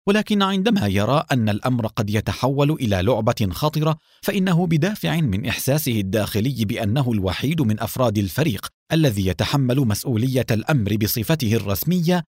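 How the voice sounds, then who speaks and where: A young male teammate in a storybook, as a man reads him. He reasons aloud, then shouts high and loud. The sound is dry and close, with lively pitch. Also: no echo, natural voice. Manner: high and loud when frightened. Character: young male team member, thoughtful, then alarmed.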